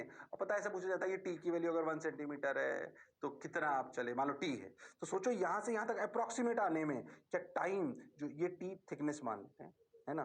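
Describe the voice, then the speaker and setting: A man teaching physics in a lively lecture, answering his own questions in the students' voice and throwing in drawn-out exclamations. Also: high voice. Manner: drawn-out exclamations and playful asides. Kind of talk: animated classroom-style lecture.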